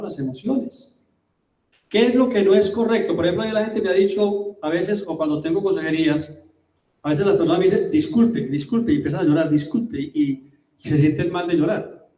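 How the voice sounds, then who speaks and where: Pastor guy preaching, slightly high voice, asks the crowd questions, mic kinda far off. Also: dark tone. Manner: emphatic preaching with rhetorical questions and drawn-out words. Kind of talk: sermon. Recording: roomy, distant mic.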